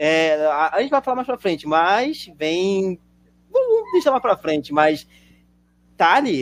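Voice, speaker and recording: Very slowly and with long, frequent pauses, a man with a high voice speaks in very wide pitch swings, the sound dry and close with no echo. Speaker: YouTuber. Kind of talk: casual live-stream chat.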